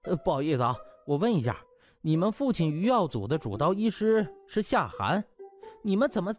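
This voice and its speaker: A man's voice: high voice, big pitch swings, brisk, faint music behind. A man voicing a flustered, polite young male doctor with a hesitant, stammering manner in an audiobook.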